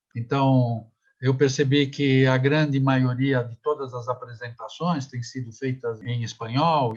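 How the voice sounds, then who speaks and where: Somewhat breathy, a man speaks at a medium pitch and fairly slow pace with monotone, flat intonation. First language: Spanish (speaking Portuguese). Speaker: philosophy professor. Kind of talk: lecture.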